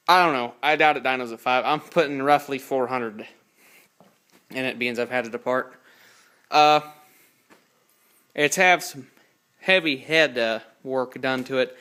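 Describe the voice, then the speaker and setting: A man's voice: a little high, pushed and bright, clear, resonant tone. Rambling eighteen-year-old guy in a garage. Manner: rambling, self-correcting, plain-spoken. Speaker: hobby car builder. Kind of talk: casual garage walkthrough. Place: home garage, indoors. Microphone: handheld phone camera.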